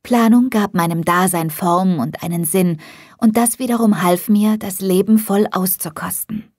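A woman reading a first-person audiobook in a calm, measured way, close to the mic. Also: mid-range voice, no room sound. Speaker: audiobook narrator. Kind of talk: scripted first-person narration.

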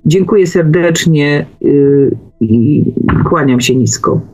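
A woman co-hosting a radio talk show, speaking in a formal, courteous way with hesitant pauses. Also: sits low, lively intonation, a little mellow, breathy edge, low-quality recording. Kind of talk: live talk show sign-off.

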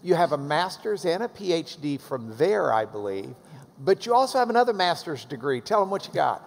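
A middle-aged man hosting a seated interview on a church stage, jovial and quick with jokes. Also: fairly high pitch, very animated, gravelly. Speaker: host, interviewer. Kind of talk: conversational interview. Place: church stage, large hall. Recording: reverberant hall, faint noise.

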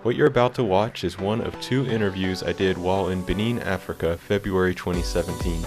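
A man with a low voice reads a plain, explanatory introduction as the channel's host. Guitar music plays clearly beneath his voice-over. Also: fairly even intonation, moderate pace.

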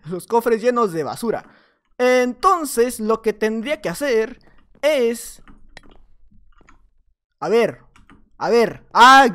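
A Mexican man commentates his game in a playful, jokey way, with a fairly high-pitched voice. He jumps between loud, excited bursts and quiet mumbling to himself. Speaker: gaming YouTuber. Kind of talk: live gameplay commentary.

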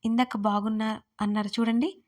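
A woman voicing an affectionate, sulky young wife in a romantic audio story, speaking softly with a pout. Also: a little high, little pitch movement, moderate pace, lightly acted. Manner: soft, pouting, coaxing.

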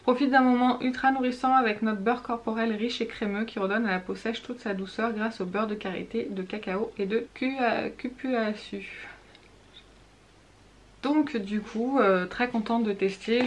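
A woman's voice: fairly high pitch, steady tone, normal speed, slight background noise. A woman vlogger in a casual product haul, chatting with hesitant fillers and reading product labels aloud, indoors at home. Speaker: beauty vlogger.

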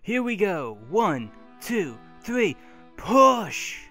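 A woman voicing a calm, dry-witted hospital doctor in a fan radio play. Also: mid-range voice, very slow, soft background music, full character voice.

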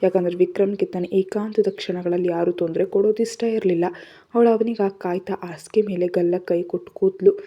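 A woman narrating a scripted romance story in a steady, even storytelling manner. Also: lowish voice, fairly quick. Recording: dull lo-fi audio.

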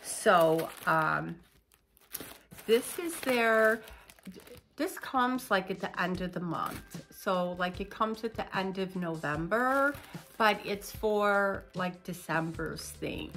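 A woman's voice: mid-range voice, expressive, slow, a bit bright, slight background noise. An older woman in her sixties, chatting through an unboxing at home, a bit nasal from a cold and rambling with fillers. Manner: chatty, rambling with fillers, seated talking to camera. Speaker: unboxing vlogger. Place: living room at home, indoors.

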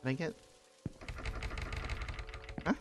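A man giving casual livestream commentary as he plays a game, muttering short reactions. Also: takes it slowly. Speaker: livestreamer playing a horror game. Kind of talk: casual gaming stream commentary. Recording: music behind the voice.

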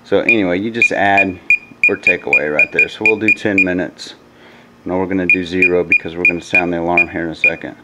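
Deep-voiced man demoing a gauge. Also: fairly quick, heavy background noise. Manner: relaxed, rambling, with fillers and self-corrections. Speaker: HVAC technician reviewing a gauge. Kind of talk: casual hands-on product demo.

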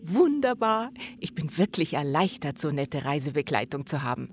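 A woman's voice: low voice, big pitch swings, moderate pace, a little hiss or hum. A woman playing a chatty, effusive traveller. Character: chatty, sociable wife travelling by night train.

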